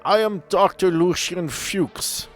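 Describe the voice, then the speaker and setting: A man's voice: high-pitched, takes it slowly, faint music behind, voice pushed up. A man voicing an unrepentant, courteous old German scientist in a tabletop game, with formal, rambling speech. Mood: proud, bitter. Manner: formal, rambling, tagging questions with "yes?" and "right?".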